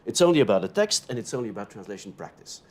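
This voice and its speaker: A man whose first language is Dutch, speaking English with a Dutch accent while giving an opening lecture to graduate students. He thinks aloud as he goes, keeps checking in with a quick "no?", and swings between louder and softer phrases. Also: on the low side, big pitch swings. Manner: rises and drops sharply in loudness between phrases. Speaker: university lecturer.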